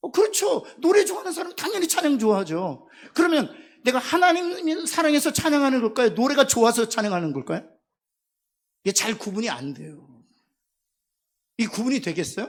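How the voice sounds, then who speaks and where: A man speaks at an extremely high pitch and a fairly quick pace, with very wide pitch swings and big swings in loudness. Long pauses come often. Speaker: pastor. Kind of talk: sermon. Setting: church. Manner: animated.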